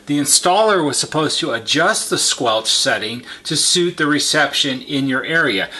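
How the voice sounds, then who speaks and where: A man with a bright, forward voice talks through a technical repair in an informal teaching style. He is plain-spoken and goes step by step, restating key points for emphasis. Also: mid-range voice. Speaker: repair technician giving a how-to demonstration. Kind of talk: informal instructional explanation.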